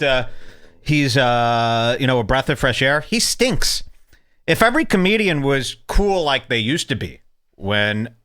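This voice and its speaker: A man's voice: mid-range voice, bright, forceful tone. A man hosting a radio show, heckling and mocking clips with crude sarcasm. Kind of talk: mocking commentary over clips.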